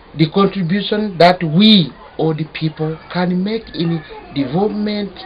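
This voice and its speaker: A woman with a Kenyan accent, fairly slow and with lively intonation, over noticeable background noise. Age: 60s. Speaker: chairperson of an older people's group. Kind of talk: interview answer.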